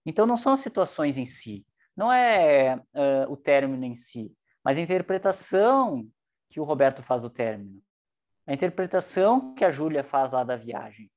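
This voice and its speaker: A man giving an online psychology lecture, lively and joking, with shifting intonation. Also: a little high.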